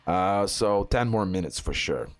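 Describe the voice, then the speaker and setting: A man's voice: deep voice, animated, measured pace, soft background music. A man giving casual, off-the-cuff gameplay commentary, repeating phrases and tacking on little check-in questions. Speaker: gaming content creator.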